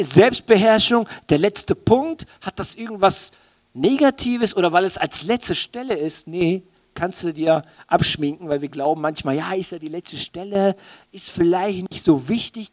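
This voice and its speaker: A man preaching a sermon in an informal, colloquial way, animatedly speaking straight to his listeners. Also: high-pitched. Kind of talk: sermon in informal youth language.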